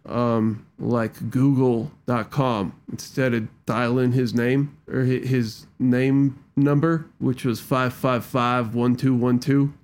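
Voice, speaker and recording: A man's voice: medium pitch, little pitch movement, takes it slowly, few pauses, darkish tone. A man casually rambling through a tech walkthrough into a desk microphone, with loose slangy talk and lots of fillers. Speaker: tech video creator. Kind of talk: casual screen-recording walkthrough. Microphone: studio microphone at a desk.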